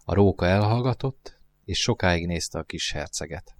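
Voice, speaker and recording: A man reads a storybook aloud with a calm, quiet delivery. His voice sits very low and deep, and he narrates steadily between the characters' lines.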